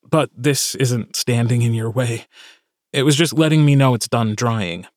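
Male narrator as a friendly, flustered young scholar, light voice, slow. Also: medium pitch, dry recording, studio quality, close to an everyday voice.

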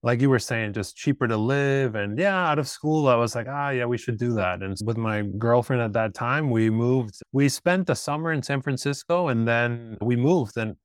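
A man in his thirties from Peru, a guest telling his story in a casual interview, relaxed and rambling with restarts. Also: mid-range voice, moderate pace, hardly any pauses, smooth, dry recording, studio quality. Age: 30s. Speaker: guest, startup founder.

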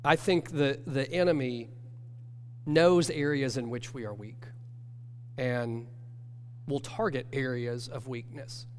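A man, nasal from a cold, teaching a church class in an earnest, measured way. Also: mid-range voice. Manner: earnest, measured, self-correcting. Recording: long hall reverb with faint hum.

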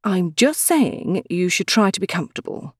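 A woman voicing a calm, pragmatic young woman who speaks in a matter-of-fact way, in an audiobook. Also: lowish voice, moderate pace, husky, no echo, clean studio sound.

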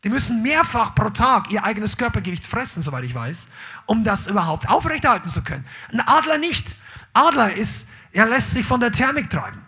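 A man preaching a sermon as pastor at a church service, animated, swinging between loud calls and quiet asides, dropping in English phrases. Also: high-pitched, fairly quick, husky.

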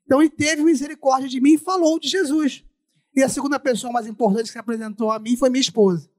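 A man with a very high voice preaches in Brazilian Portuguese, slightly muffled by a face mask. He delivers his sermon as a preacher who repeats phrases to drive them home. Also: steady tone, fast talker. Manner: repeats phrases for emphasis, acts out dialogue.

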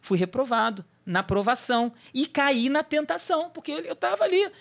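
A man's voice: very high-pitched, moderate pace, gravelly, fairly bright tone. A man sharing a personal testimony on a church talk show, telling the story with energy and acting out the voices of people in it.

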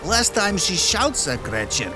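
A man's voice: high voice, very animated, a little slow, over music. An actor playing a vain, gloomy henchman who talks in broken English and hesitates a lot. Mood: hesitant.

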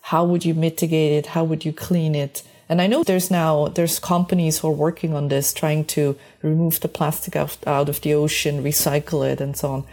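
A woman's voice: deep voice, flat delivery, normal speed, few pauses, a little mellow. A woman from Switzerland speaking as an interview guest, reflective and enthusiastic as she talks about her work in a conversational way. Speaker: podcast guest, space mission engineer.

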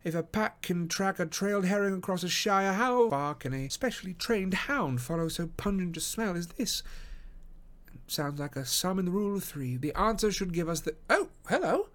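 An assured gentleman detective, performed by a male audiobook narrator, with a fairly high voice for a man. He reasons aloud in precise, dry, instructive phrases, brisk and sure of himself. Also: animated. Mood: keen, excited. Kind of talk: audiobook character acting.

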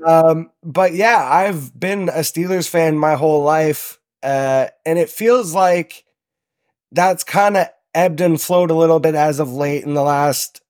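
A young man from Southern Ontario, a podcast guest telling stories in a relaxed way, with plenty of ums and uhs. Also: fairly high pitch, unhurried. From Southern Ontario, Canada. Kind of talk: casual interview chat.

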